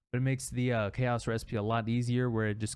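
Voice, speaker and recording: A man talks very fast at medium pitch in a dark, mellow tone. The background is quiet. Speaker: gaming youtuber. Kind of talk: tutorial. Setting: at home, away from the studio. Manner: casual, filler-heavy.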